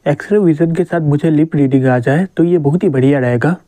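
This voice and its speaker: A man's voice: on the high side, a little fast, dark tone, no echo, natural voice. A cheeky schoolboy hero, read by a man. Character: teenage schoolboy hero with x-ray vision, cheeky.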